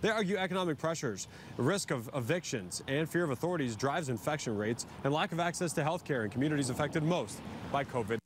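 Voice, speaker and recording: A man's voice: fairly high pitch, animated, quick pace. A man delivering a scripted live news report from a city location outdoors. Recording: faint outdoor traffic noise.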